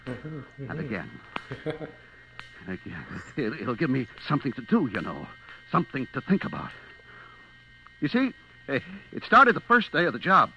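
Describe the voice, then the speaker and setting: Frantic, unravelling trapped clerk, old radio. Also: male voice, medium pitch, sing-song, a little hiss or hum. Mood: despairing, rambling, then nervous, recounting. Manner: breathless, halting, stammering narration with repetitions. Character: desperate, unravelling supermarket clerk trapped in the dark, confessing. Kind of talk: old-time radio suspense acting. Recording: muffled vintage radio recording with music.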